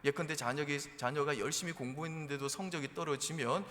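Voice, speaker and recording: A man's voice: on the high side, fairly quick, fairly bright tone. A man preaching a sermon to his congregation as pastor, in a conversational storytelling manner. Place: church sanctuary. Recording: reverberant church hall.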